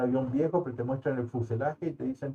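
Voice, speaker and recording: A man speaks at a fairly quick pace with ordinary pitch variation. His tone is dark and mellow, and the sound is dry and close with no echo. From Chile. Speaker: engineering instructor. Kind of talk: casual interview chat.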